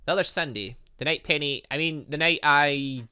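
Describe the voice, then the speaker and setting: A man's voice: a little high, moderate pace, pushed and bright, smooth. A man playing through a story game, reading its dialogue aloud with casual asides and often stumbling and correcting himself. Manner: stumbles over words when reading, self-correcting. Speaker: gaming video host.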